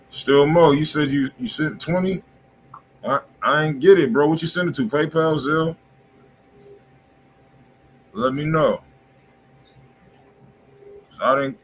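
A man's voice: mid-range voice, fairly bright tone, slight background noise, poor audio. Laid-back slangy male stream host. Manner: laid-back, slangy, profane, talking to chat. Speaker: livestream music review host. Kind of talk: casual live chat with viewers. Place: small home studio room, indoors.

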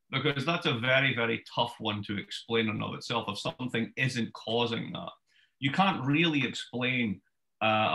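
Wry Scottish man in his fifties. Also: mid-range voice. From Scotland. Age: 50s. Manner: brisk, wry storyteller with lively gestures. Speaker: author giving a book talk. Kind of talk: lecture-style talk on a video call. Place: home study with bookshelves, indoors. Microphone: webcam video call.

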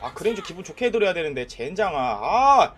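A young man giving casual, excitable commentary over his own mobile game, trash-talking and narrating his plays. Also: sits high, brisk, breathy edge, soft background music. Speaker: gaming YouTuber.

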